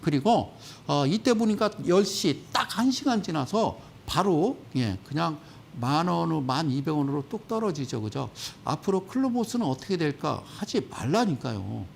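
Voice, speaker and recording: Animated sarcastic male stock commentator. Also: a little high, normal speed, gravelly, hardly any pauses, a little hiss or hum. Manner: animated, sarcastic, acts out quoted voices.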